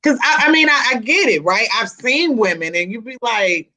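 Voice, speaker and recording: Forty-something woman talk host, bright tone, chatty, laughs easily. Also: a little high, moderate pace. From Chicago. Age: 40s. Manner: lively, laughs often, repeats herself. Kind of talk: casual interview chat.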